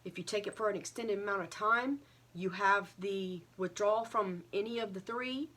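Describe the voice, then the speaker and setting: A woman giving a casual, earnest update to viewers, halting and a little short of breath as she recovers from illness. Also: mid-range voice, a bit bright. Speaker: craft vlogger.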